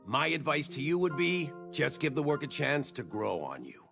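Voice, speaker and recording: An actress voicing a middle-aged, picky, eccentric sound effects artist in an anime dub, talking in a bossy, playful way. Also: female voice, sits low, very animated, normal speed, creaky, exaggerated voice. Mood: easygoing. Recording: music playing under the voice.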